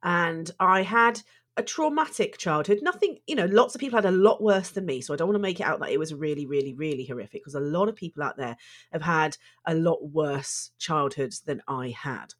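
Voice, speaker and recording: A woman's voice: low-pitched, animated, fairly quick, a bit bright. A middle-aged woman psychotherapist hosting her own podcast, her voice congested and stuffy from allergies, talking earnestly and doubling words for emphasis. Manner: earnest, emphatic word repeats. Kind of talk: solo podcast monologue.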